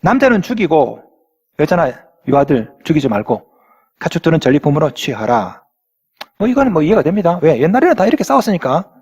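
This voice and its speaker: A man's voice: a little high, very animated, brisk, darkish tone, slightly rough. A male pastor preaching a sermon in a church, reading scripture aloud and putting questions to the congregation. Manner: asks the congregation rhetorical questions. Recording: long hall reverb in a church.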